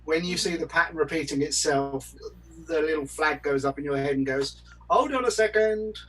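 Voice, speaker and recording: A man's voice: a little high, moderate pace, fairly bright tone, recorded from a distance, a little hiss or hum, low-quality recording. A man speaking in a casual discussion as a panelist, articulate and wry. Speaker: podcast panelist.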